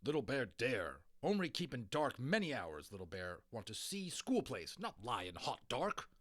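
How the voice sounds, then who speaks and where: A man's voice: medium pitch, very animated, moderate pace, fairly bright tone, no echo, studio quality. A man voicing a tiny stubborn Native American warrior in a storybook, speaking in clipped, defiant broken phrases. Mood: indignant, demanding.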